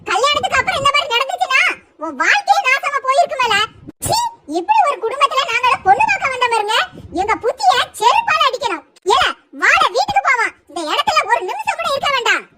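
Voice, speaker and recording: A woman's voice: very high voice, big pitch swings, brisk. A woman voicing a sneering groom's mother in a cartoon. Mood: scornful. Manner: sneering, accusing. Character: scornful middle-aged woman, groom's mother. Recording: loud background noise.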